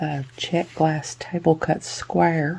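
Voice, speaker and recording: A soft-spoken woman talks with a Southern US accent. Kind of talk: tutorial. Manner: casual.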